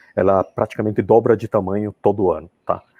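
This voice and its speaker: A man speaks at a fairly quick pace with a Colombian accent. His pitch is fairly low. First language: Spanish (speaking Portuguese). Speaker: product and design manager. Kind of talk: webinar talk. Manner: halting, many fillers.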